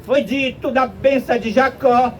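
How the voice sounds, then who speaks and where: A man from Brazil preaching a slow, emphatic street sermon outdoors, quoting scripture at length. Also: very high-pitched, fairly even intonation, dull audio, background noise.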